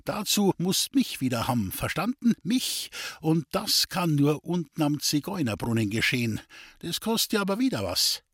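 A man's voice: a little high, very animated, moderate pace, a bit bright, no echo, clean studio sound, pitched above the performer's own voice. A man voicing a sly, scheming male vagabond trickster in an audiobook, coaxing and insistent in dialect. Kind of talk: audiobook character reading.

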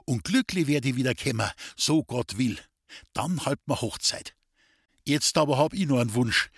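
A man voicing a cheerful young male artilleryman with a Bavarian accent, speaking in a husky, hearty voice. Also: mid-range voice, moderate pace, dry recording, clean studio sound. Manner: hearty, lively dialect speech.

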